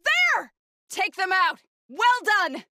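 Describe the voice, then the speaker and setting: A woman's voice: very high-pitched, sing-song, slow pace, bright, forceful tone, dry recording, studio quality, exaggerated voice. An actress playing an earnest female tribal warrior companion, delivering short, emphatic battle lines for a video game. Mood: urgent, fierce.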